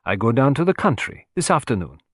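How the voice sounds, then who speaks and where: A man's voice: medium pitch, very animated, brisk, husky, dry recording, studio quality. A man voicing a vain, fussy little male detective who speaks in a courtly, self-satisfied and precise way. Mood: musing.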